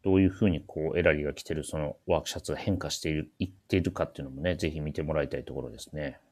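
A man with a very deep voice hosts a relaxed radio chat. He talks quickly and often chimes in to agree, politely steering his guests along. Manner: frequent backchannel responses, prompts guests politely. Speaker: radio show host. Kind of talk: casual chat hosting a shop radio show.

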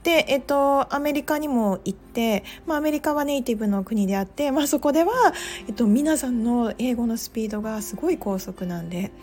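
A woman's voice: a little high, a little fast, hardly any pauses, darkish tone. A woman from Japan hosting a podcast, talking casually with lots of fillers and laughing at herself. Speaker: pharmacist and podcast host. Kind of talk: casual monologue.

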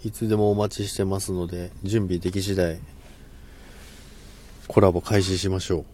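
Male streamer, low voice, casual and self-deprecating, trips over his words. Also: flat delivery, normal speed, mellow, slight background noise. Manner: laughs often, polite and self-deprecating, stumbles over words. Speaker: live stream host. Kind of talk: casual live chat.

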